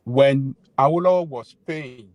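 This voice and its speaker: A man's voice: mid-range voice, unhurried, dry recording, highs cut off. A man speaking emphatically and proudly on a remote call, his audio breaking up and glitching. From Nigeria. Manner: emphatic, proud, repeats himself. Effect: breaking-up call audio, glitchy and distorted. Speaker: guest on a call-in discussion. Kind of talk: impassioned political discussion. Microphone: phone or online call. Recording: glitchy dry call line.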